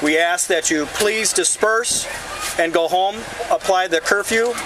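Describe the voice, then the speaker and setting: An American man working as a law enforcement officer makes formal, measured announcements, polite but firm in his commands. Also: sits high. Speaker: law enforcement officer giving dispersal orders. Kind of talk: formal public announcements and radio updates. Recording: noisy outdoor bodycam, loud vehicle noise. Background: vehicle and street noise.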